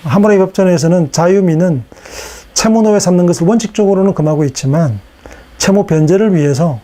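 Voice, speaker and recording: Guy lecturing on video, voice kinda worn out, mellow tone, slightly high, chatty with lots of um's. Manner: casual and unhurried, with fillers and rhetorical questions. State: voice strained from hours of recording.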